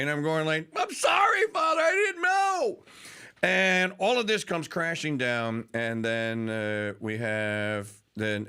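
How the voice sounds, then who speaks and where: Man, radio host, bright tone, emotional, casual on-air chat. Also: on the low side, clear, resonant tone. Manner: emotional, laughing, rambling. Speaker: radio talk show host.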